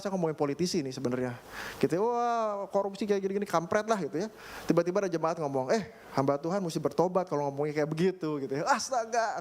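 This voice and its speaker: A young man, a pastor, preaching a casual, storytelling sermon with lots of filler phrases and throat clearing. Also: fairly high pitch. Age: young adult. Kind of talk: conversational sermon. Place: church. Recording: faint background noise.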